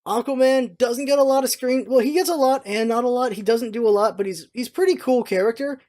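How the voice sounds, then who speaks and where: A vlogger speaks off the cuff in a middle-pitched voice. The delivery is informal and opinionated, wandering from point to point like a casual chat about entertainment. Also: brisk, darkish tone. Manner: rambling, opinionated, informal with mild swearing. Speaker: video blogger giving movie opinions. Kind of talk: casual unscripted movie review chat.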